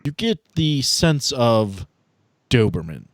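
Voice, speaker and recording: A man acting as game master, narrating a tabletop role-playing game in descriptive, deliberate detail. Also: medium pitch, sing-song, no echo, studio quality.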